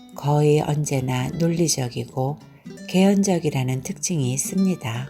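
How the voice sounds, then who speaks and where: A woman speaks very slowly in a very deep, low voice with ordinary pitch variation, music playing in the background. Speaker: audiobook reader. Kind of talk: audiobook reading of short stories. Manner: bright, lively.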